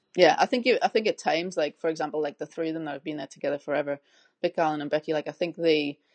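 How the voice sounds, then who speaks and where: Against a quiet background, a woman talks at a very fast pace in a fairly low pitch with fairly even intonation, the sound dry and close with no echo. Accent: American. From Newcastle, England. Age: 20s. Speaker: college soccer assistant coach. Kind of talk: casual interview.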